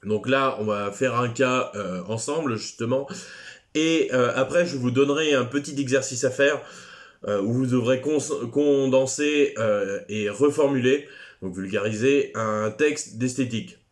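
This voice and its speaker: A man's voice: medium pitch, a little slow. A man teaching a recorded French class lesson, chatty and digressive, with self-deprecating asides.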